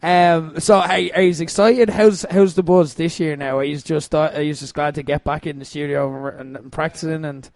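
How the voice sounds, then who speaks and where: A man's voice: a little high, steady tone, moderate pace, few pauses, darkish tone, no room sound. A man hosting a podcast, chatting casually, gushing and laughing often, with some swearing. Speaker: podcast host. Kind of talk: casual chat.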